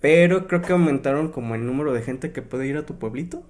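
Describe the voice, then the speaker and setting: A man's voice: a little high, fast, darkish tone. A young man with a Mexican Spanish accent chatting casually in a laid-back, slangy way. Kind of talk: casual chat.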